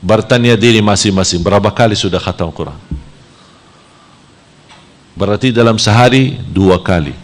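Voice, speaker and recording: A man from Saudi Arabia, preaching a sermon in a lively style whose pitch jumps high when he plays out temptations. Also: normal speed, long pauses.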